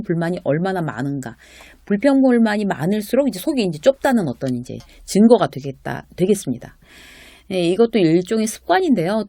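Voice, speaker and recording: A middle-aged woman leads a relaxed lecture straight to her viewers, asking them questions and acting out little examples. Her pitch rises and falls a great deal as she talks. The recording is dry, with no room sound around her. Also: no echo. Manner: conversational, with rhetorical questions and acted-out quotes. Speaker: workplace lecturer and host. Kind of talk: casual spoken lecture to viewers.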